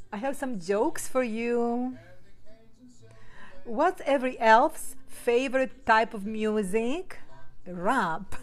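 A woman hosting a casual holiday podcast in English, which is not her first language, talking in a relaxed way with fillers and small laughs. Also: on the high side. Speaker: podcast host. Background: soft Christmas music.

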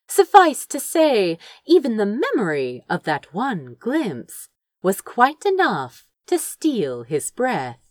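A woman narrates a story in an expressive, theatrical style. Her pitch swings widely from phrase to phrase, and she takes her time with deliberate phrasing. The sound is dry, with very little room in it. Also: dry recording. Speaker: audiobook reader of fan fiction. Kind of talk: expressive dramatic scripted narration.

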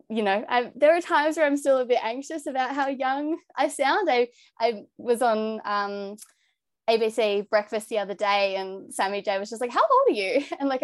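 A young Australian woman with a high, youthful-sounding voice, talking earnestly and chattily as a podcast guest, with plenty of "like" and "um". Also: lively intonation, moderate pace, dry recording, studio quality. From New South Wales, Australia. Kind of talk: casual interview chat.

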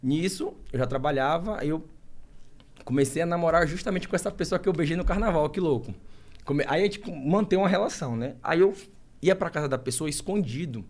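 A young man from Brazil, a guest in an interview, telling a personal story in an emotional, halting way with many restarts. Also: a little high, a little mellow.

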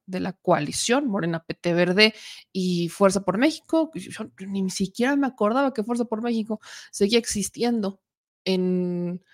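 A Mexican woman in her thirties hosts a casual political talk show. She chats and jokes, throws asides to her producer, and sounds a little worn from an allergy cough. Her pitch sits in the middle range. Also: a little mellow. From Puebla, Mexico. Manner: chatty and joking, with asides to the producer. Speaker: political commentary host.

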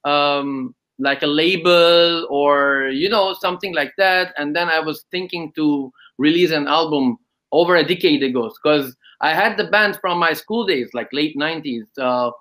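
A man talks over a video call as a guest. His voice is bright and somewhat high, and he speaks hesitantly, full of ums and uhs. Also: a little slow, rough recording. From Lebanon. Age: 30s. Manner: hesitant, many ums and uhs, laughs often. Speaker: guest musician. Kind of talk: casual interview.

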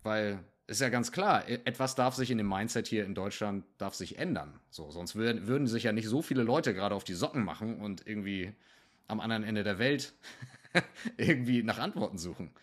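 A man's voice: lowish voice, lively intonation, fairly quick. A man talking as a podcast guest and meditation teacher, reflective and loose, dropping English slang into casual talk.

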